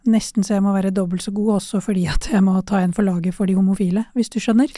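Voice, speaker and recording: Woman, podcast host, mellow, thoughtful searching phrasing, dry studio sound. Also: medium pitch, steady tone, no room sound. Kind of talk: empathetic interview conversation.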